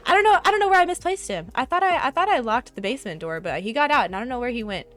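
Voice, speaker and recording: A woman's voice: high-pitched, expressive, rapid-fire, a bit bright. A young adult woman with an American accent hosting a casual chat show, bubbly, giggly and playful. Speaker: host. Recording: faint background music.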